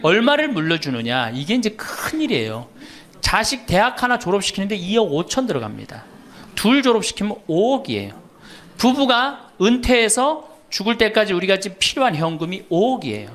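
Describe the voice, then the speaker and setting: A man's voice: sits high, brisk. A middle-aged man, a Catholic priest, giving a humorous lecture, telling stories and teasing the audience with questions. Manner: animated storyteller, teasing questions to the audience, laughs often.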